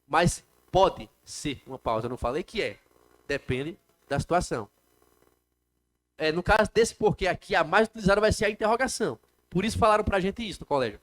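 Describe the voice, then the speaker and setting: A man's voice: high voice, animated, brisk. Brazilian man lecturing a class. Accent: Brazilian Portuguese. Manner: explains step by step, asks the class questions. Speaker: teacher. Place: classroom with students.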